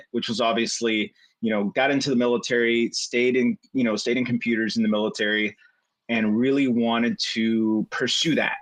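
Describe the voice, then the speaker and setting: A man's voice: mid-range voice, no echo. Rambling, hesitant middle-aged man. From United States. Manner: rambling, hesitant, many fillers. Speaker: guest. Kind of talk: casual chat.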